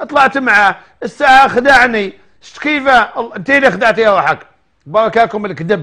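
Over a quiet background, a man with a high pitch uses a raised, projected voice and a bright, sharp, animated tone, with lively intonation at a moderate pace broken by long, frequent pauses. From Algeria. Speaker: religious radio host answering listener questions. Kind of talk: radio religious advice show. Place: studio.

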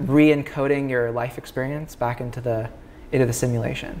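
A man's voice at a moderate pace with fairly even intonation over light background noise. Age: 30s. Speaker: neuroscience technology researcher; interview guest. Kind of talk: interview. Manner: hesitant with fillers. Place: studio. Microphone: lapel.

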